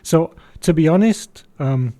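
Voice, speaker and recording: Laid-back guy on local radio, warm low-key voice, says um and sort of a lot. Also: measured pace. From England. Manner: relaxed, frequent ums and sort of. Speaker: guest. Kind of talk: casual radio interview.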